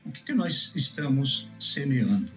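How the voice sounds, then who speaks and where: A Brazilian man gives religious teaching in a measured, emphatic manner. His voice sits at a middle pitch and rings with noticeable room echo. Music plays faintly behind him. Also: lively intonation, fairly bright tone. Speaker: preacher. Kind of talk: religious teaching, scripture exposition.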